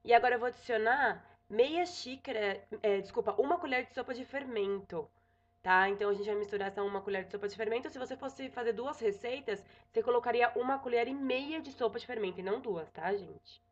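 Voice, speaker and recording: A young cooking vlogger from Brazil chats through a home recipe with a Brazilian Portuguese accent, dropping frequent "tá?" check-ins and self-corrections. She talks briskly in a slightly high voice, recorded with lo-fi quality.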